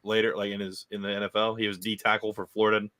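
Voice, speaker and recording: Low bright-voiced man, rambling chat. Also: level tone, fast talker, dry recording. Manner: rambling, full of restarts and fillers. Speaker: podcast co-host. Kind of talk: casual sports chat.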